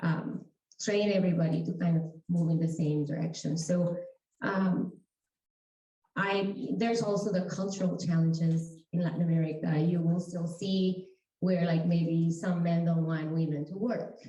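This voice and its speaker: Somewhat breathy and dark, mellow in tone, a woman's fairly low voice moves at a moderate pace with fairly even intonation amid audible room echo. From Mexico. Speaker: panelist, engineer. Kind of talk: panel discussion.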